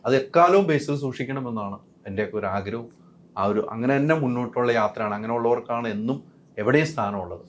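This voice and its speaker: A man's voice: medium pitch, quick pace. A man with a Kerala Malayalam accent, interviewing in casual chat sprinkled with English words, emphatic and repetitive.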